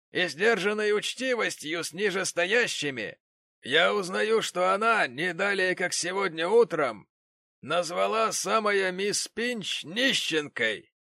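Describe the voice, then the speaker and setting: Guy putting on a snooty rich dad, high, loud and bright, gravelly edge. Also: no room sound, full character voice. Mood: indignant. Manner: pompous, lofty, indignant. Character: pompous rich middle-aged father, a brass founder. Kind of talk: audiobook character reading.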